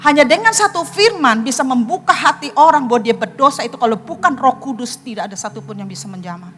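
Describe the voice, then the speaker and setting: A woman's voice: high-pitched, animated, quick pace, fairly bright tone, long reverb tail. A middle-aged woman pastor preaching a sermon and telling a personal testimony, speaking earnestly and addressing the congregation directly.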